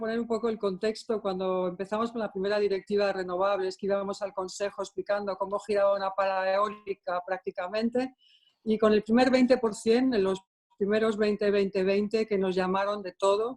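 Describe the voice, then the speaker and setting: In a Galician accent, a woman talks fairly quickly at a medium pitch, her intonation fairly even. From Galicia, A Coruña. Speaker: EU climate official, physicist. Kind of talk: presentation.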